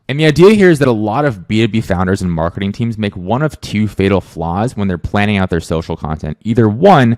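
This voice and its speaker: Low-voiced man, casual explainer. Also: a little mellow. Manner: conversational, informal. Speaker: host, content agency owner.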